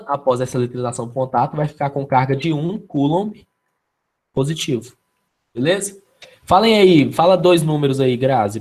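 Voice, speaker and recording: A man's voice: medium pitch, darkish tone, slightly rough. A man with a Brazilian Portuguese accent teaching a live online physics class, casual and constantly checking in with his students.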